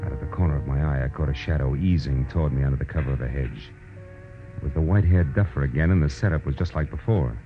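A low-pitched American private eye talks and narrates in hard-boiled, clipped slang. He is tough and quick with a wisecrack, in the manner of 1940s radio drama. The recording is muffled and old, with music behind him. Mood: wry narration.

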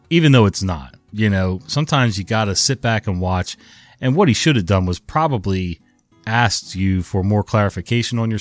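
A man with a lowish voice reads online stories aloud, his delivery lively and full of ups and downs. He chats through his own commentary between stories. The recording is dry and close, with faint guitar music playing softly behind him. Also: no echo. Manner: lively, conversational storytelling. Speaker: story narrator.

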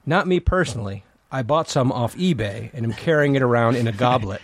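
A man with a medium-pitched voice. He banters as a casual comedic interviewer, moving between chat and reading things aloud. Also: expressive, fairly quick, dry recording.

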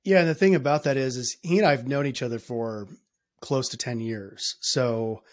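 A man of middle pitch speaks as a podcast guest. He sounds keen, yet he often breaks off and restarts his sentences. His pauses are filled with hesitations as he works toward his point. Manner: halting, many restarts and fillers, energetic. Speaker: podcast guest, company founder. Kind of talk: conversational podcast interview.

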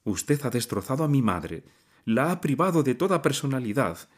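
A man's voice: mid-range voice, big pitch swings, moderate pace, slightly rough, voice pushed up. A man reading aloud and voicing an angry young male student who confronts his father in heated, impassioned outbursts. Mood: indignant.

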